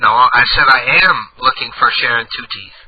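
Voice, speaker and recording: A man's voice: mid-range voice, a little fast, crowd noise. A man hosting a radio show, making a crude prank call, brash and mocking with frequent insults. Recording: lo-fi radio broadcast with faint hiss.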